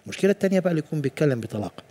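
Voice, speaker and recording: A middle-aged man speaks with an Egyptian Arabic accent, a pediatrician guest explaining things on TV. He talks rapidly and repeats words as he restarts. His voice is husky and mellow. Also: fairly high pitch, sing-song. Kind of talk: explanatory TV interview talk.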